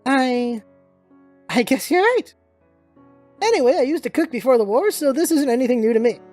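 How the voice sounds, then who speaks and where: A woman's voice: high voice, lively intonation, normal speed, a little mellow, dry recording, faint music behind. A woman playing an easygoing, reluctant but kind soldier in a story reading, talking in casual, slightly hesitant slang. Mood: reassuring.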